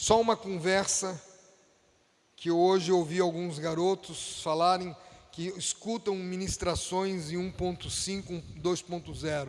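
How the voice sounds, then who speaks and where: A man talks while noticeable background noise runs beneath. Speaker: preacher. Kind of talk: sermon.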